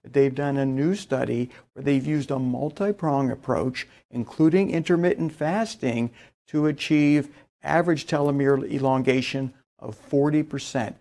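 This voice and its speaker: A man's voice: medium pitch, moderate pace, vocal fry, darkish tone. A man giving a conference keynote lecture, explaining research with enthusiasm. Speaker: keynote speaker. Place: indoors, in front of a slide backdrop.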